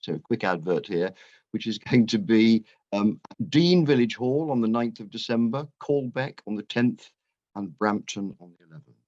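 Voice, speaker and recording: A man with a fairly low voice speaks through dull, lo-fi call audio. He is an actor chatting casually in a jokey way. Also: animated, moderate pace, darkish tone. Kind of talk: casual chat. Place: video call.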